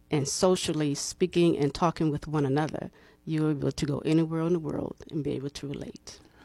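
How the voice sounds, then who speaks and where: A woman speaks at a very deep, low pitch in a dark, mellow tone and a moderate pace. The sound is dry and close with no echo, on a very clean recording with a silent background. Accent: American. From Boston, Massachusetts. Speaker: etiquette consultant. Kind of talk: interview. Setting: studio.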